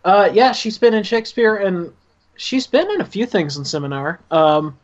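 A man with a Southern drawl talks through his project in a relaxed, chatty way, laughing often and tripping over the starts of words. His voice sits a little high for a man, and the recording sounds dull and lo-fi. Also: normal speed. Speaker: writer and director. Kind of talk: casual commentary chat.

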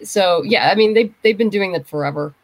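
A woman's voice: medium pitch, fairly quick, low-quality recording. A woman chatting informally as a guest on a podcast. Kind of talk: casual chat.

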